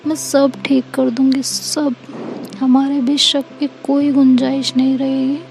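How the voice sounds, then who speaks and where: Woman reading a young woman lover, high voice, little rise and fall, affectionate and pleading. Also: level tone, measured pace, vocal fry, a little mellow, faint music behind, poor audio. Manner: affectionate, pleading, mixes English phrases. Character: young woman, teasing and shy lover, later apologetic.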